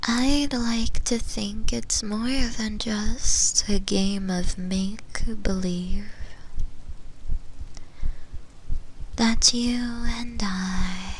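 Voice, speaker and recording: A breathy, whispering shadow demoness, acted by a woman speaks extremely slowly, as if every phrase is weighed. She is flirty, possessive and musing, in an intimate ASMR roleplay style. A light layer of ambient noise sits behind her. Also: medium pitch, steady tone, poor audio. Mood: intimate longing. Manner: slow, deliberate, hushed, philosophical musing.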